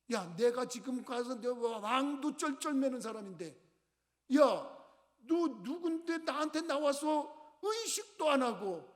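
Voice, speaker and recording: A man voicing a proud army general who shouts in indignant contempt, in a reverberant church sanctuary. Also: very high-pitched, pitched above the performer's own voice.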